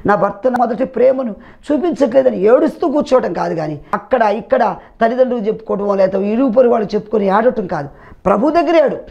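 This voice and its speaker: Gravelly fervent male preacher. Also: high-pitched, darkish tone, dull audio. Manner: fervent preaching, frequent hallelujahs and praise the Lord. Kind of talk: televised sermon.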